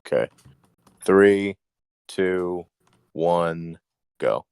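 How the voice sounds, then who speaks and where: A man's voice: deep voice, animated, extremely slow, a little mellow, smooth, no echo. A man hosting casual comedic commentary with a dry, wry manner. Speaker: host.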